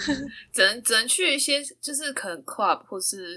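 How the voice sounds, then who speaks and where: A woman speaks in a raised, projected voice with a bright, sharp tone and very wide pitch swings. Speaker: podcast host. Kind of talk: casual chat.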